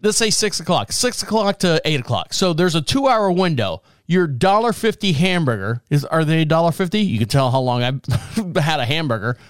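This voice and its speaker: A man in his forties with a high voice rambles through the news in casual podcast commentary, joking and laughing as he goes. He is recorded close on a dry mic. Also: big pitch swings, normal speed, smooth, dry recording. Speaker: podcast host.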